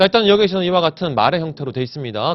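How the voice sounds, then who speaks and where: A man in a Gyeongsang accent, at a very fast pace with very wide pitch swings. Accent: Gyeongsang accent, strong tense consonants. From Gyeongsang Province, South Korea. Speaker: exam prep lecturer. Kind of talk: lecture.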